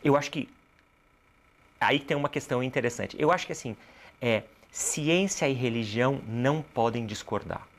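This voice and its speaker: Interview guest: Brazilian man, mid-pitched, didactic explainer who asks and answers his own questions. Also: normal speed, slight background noise. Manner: didactic, poses rhetorical questions and answers them. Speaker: interview guest, cultural producer and activist.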